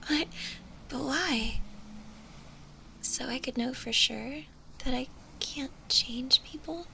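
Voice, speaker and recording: A woman playing a shy, gentle, lovestruck zombie girl in an intimate ASMR roleplay, speaking hesitantly and tenderly. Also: high-pitched, slow pace, creaky, slight background noise, heavily acted. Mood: unsure, shy.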